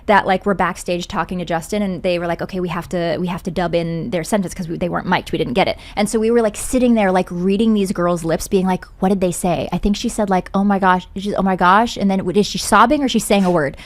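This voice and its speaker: Young woman, podcast guest, casual anecdotes, chatty, giggly, lots of "like". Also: lowish voice. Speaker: podcast guest, voice actor and singer. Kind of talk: casual chat, telling anecdotes.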